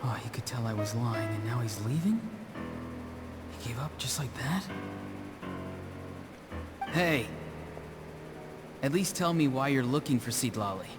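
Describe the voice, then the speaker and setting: A man acting a young loner from a video game with a mid-range voice. He sounds earnest and a little odd, matter-of-fact over clear background music. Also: mid-range voice, lively intonation, unhurried, long pauses, lightly acted. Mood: guarded, puzzled. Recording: music behind the voice.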